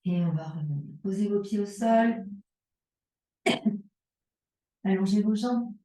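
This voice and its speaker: Woman, yoga teacher, slow calm cues, mellow tone, distant and echoey. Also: mid-range voice. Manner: slow, calm cueing of breath and movement. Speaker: yoga instructor. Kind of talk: guided yoga and strengthening class. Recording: echoey room, voice from away from the mic.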